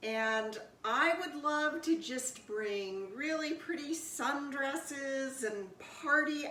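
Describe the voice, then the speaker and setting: With audible room echo, a woman speaks very slowly in a high, raised, projected voice with a bright, sharp tone and very wide pitch swings. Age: 60s. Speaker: sewing vlogger. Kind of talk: casual chat.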